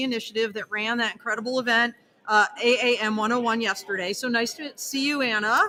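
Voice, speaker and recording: Loud and animated, a woman speaks at a fairly quick pace in a high pitch with ordinary pitch variation over noticeable background noise. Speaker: podcast co-host. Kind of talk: live interview. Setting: conference floor during break.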